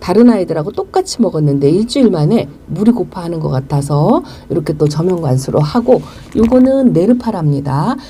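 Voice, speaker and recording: A woman's fairly low voice at a fairly quick pace, with very wide pitch swings and noticeable background noise. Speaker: succulent gardening vlogger. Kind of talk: casual plant care vlog talk. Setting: home balcony.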